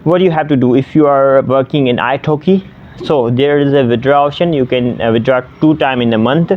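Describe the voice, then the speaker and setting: A young man from Pakistan, native Sindhi speaker, chats to camera about tutoring online. His medium-pitched voice halts often on fillers and restarts. The audio sounds slightly dull and lo-fi. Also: brisk. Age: 20s. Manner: hesitant, many fillers and restarts. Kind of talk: casual vlog to camera.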